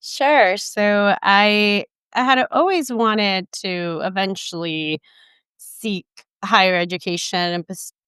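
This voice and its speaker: A young woman from the Dominican Republic, an attorney being interviewed, explaining in a measured way with frequent ums. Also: mid-range voice, a bit bright, smooth, no room sound. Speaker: immigration attorney, guest. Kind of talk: interview answers.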